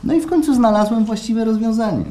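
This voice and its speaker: An actor playing an obsessive, nervous client who confides in a fretful storytelling manner in a live radio play. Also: male voice, sits high, fast, warm tone, natural voice. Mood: tense, then elated. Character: obsessive male client, nervously confessing, eerily elated. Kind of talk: live radio play acting, intimate monologue. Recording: noisy live stage recording.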